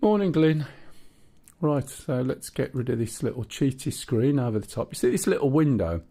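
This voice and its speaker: A man's voice: mid-range voice, expressive, normal speed, mellow. A man with a Black Country accent chatting casually while live-streaming a flight game and reading viewer chat aloud.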